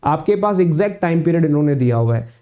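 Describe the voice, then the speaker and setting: A man coaching law students, explaining exam eligibility in a repetitive lecture style and slowly reading official text aloud. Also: fairly high pitch, expressive, warm tone, lo-fi sound. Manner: explanatory, repeats points, mixes English phrases; reads notification lines aloud slowly.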